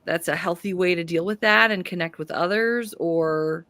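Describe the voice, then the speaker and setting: A woman's voice: fairly low pitch, moderate pace, fairly bright tone, dry recording. A woman hosting a book club, casually posing questions and talking them through with the group. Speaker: book club host leading discussion. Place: remote group live stream.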